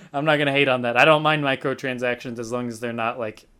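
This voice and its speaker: A young man hosts a casual gaming podcast, rambling loosely with fillers and the occasional swear. His voice is clean and resonant. His pitch sits in the middle of the range. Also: level tone, a little fast, sharp tone. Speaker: podcast host.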